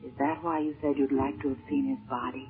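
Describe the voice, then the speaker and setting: A woman's voice: rumbling low, fairly even intonation, quick pace. An actress playing a frightened, earnest white woman held captive, in a melodramatic 1930s radio serial style. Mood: anxious, haunted. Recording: scratchy, muffled 1930s radio recording.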